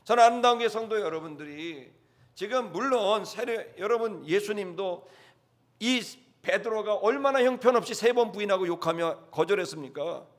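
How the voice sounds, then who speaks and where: A man's voice: high voice, animated, normal speed. A man preaching a sermon as pastor, telling personal stories and acting out dialogue in a conversational way. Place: church sanctuary.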